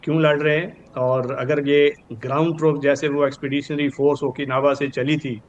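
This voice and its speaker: Higher-pitched Pakistani man analysing news, noisy line. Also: little pitch movement, moderate pace, muffled recording. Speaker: retired brigadier, news analyst. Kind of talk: formal news analysis in Urdu mixed with English terms. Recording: clearly noisy with background ambience.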